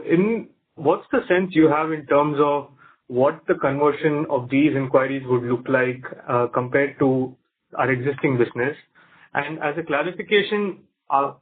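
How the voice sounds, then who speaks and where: A man, an analyst, politely asking methodical questions on an earnings call. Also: on the high side. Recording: tinny phone line.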